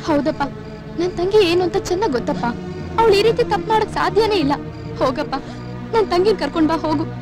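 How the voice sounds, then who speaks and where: A woman's voice: very high-pitched, quick pace, over music. An actress playing a loyal elder sister who urgently insists on her sibling's innocence. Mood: insistent.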